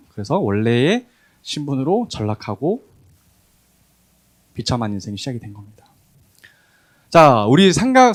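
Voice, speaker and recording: A man preaching a sermon, acting out the quoted voices with animated emphasis. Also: medium pitch. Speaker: pastor.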